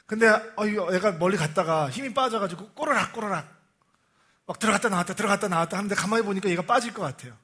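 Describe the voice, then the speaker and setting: A middle-aged male pastor preaching a sermon, who shouts quoted cries and drops to a soft, low voice for scripture. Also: fast.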